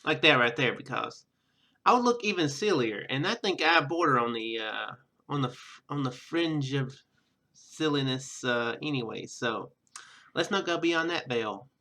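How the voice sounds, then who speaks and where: Animated, bright-voiced man rambling over a game. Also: mid-range voice. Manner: rambling, halting, self-deprecating. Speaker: let's player. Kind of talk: casual gameplay commentary. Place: indoor room at home.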